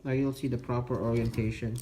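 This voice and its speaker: A man slowly talking through a toy transformation step by step, muttering to himself as he works. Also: mid-range voice, flat delivery. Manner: slow, step-by-step instructional talk, muttering to himself. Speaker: toy reviewer. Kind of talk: hands-on toy transformation demo. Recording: echoey room with background noise.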